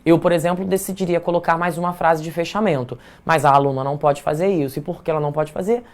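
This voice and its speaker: A man's voice: on the high side, fairly even intonation, quick pace. A Brazilian man teaching a live online writing class, in a chatty, playful way that keeps checking in with the audience. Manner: chatty, playful, tags remarks with "tá?".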